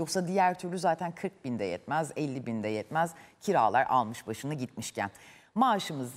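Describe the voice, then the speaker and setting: A woman speaks with a very deep, low pitch and vocal fry at a fairly slow pace. Her pitch swings very widely. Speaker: TV news presenter. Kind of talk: news presentation. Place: studio. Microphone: lapel.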